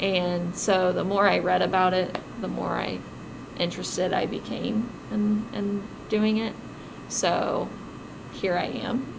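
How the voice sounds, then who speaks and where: With an Indiana accent, a woman speaks at a medium pitch and a fairly slow pace, with ordinary pitch variation and long, frequent pauses. Noticeable background noise and audible room echo surround her. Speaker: geology graduate student. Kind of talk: casual chat on live stream. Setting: live stream.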